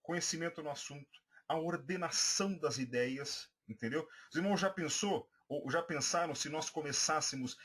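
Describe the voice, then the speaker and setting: A man's voice: medium pitch, fairly bright tone, husky. A man with a Brazilian Portuguese accent, a pastor giving a class on preaching, hesitant with many fillers and restarts, addressing listeners as brothers. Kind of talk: recorded class for church members.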